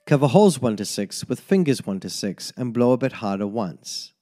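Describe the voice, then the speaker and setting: A man narrating a tin whistle lesson as a voice-over, giving slow, methodical step-by-step fingering instructions. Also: mid-range voice, big pitch swings, mellow, soft background music. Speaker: music teacher.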